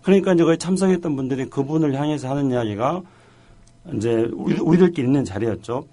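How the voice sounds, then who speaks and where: A man's voice: medium pitch, quick pace, dark tone. A middle-aged man as a talk show guest, telling stories in a joking, self-deprecating way. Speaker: guest, policy director.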